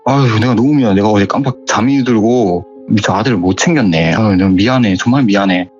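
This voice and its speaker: A man voicing a middle-aged gas station owner who apologizes over and over in a fussy, overly polite way, slightly husky, on a muffled recording with faint music under it. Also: lowish voice, fast talker, darkish tone, voice pushed down. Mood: apologetic.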